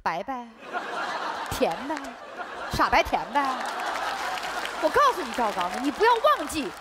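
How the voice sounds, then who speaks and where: Feisty gossipy neighbour, high lively voice, loud studio audience laughter. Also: female voice, a little slow, over a noisy crowd, very noisy, heavily acted. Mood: jealous. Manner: brash, chatty storytelling. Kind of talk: sitcom sketch acting.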